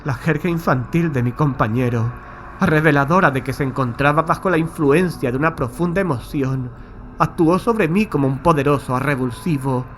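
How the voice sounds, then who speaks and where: A man's voice: fairly high pitch, moderate pace, noisy background. A man narrating a horror audiobook in the first person, with a solemn, literary, dramatic delivery.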